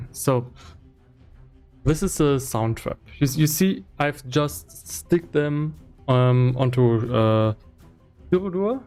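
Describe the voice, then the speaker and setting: A man talking casually and explaining on a livestream, thinking aloud in a halting way, with as his language. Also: mid-range voice, expressive, darkish tone, soft background music. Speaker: game developer streaming live. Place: indoor room with foam acoustic padding.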